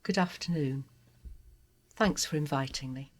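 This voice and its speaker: A trans woman from Guatemala, a native Spanish speaker, telling her life story in an interview with an earnest, heartfelt, measured manner. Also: sits low. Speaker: interview guest. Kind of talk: personal testimony interview.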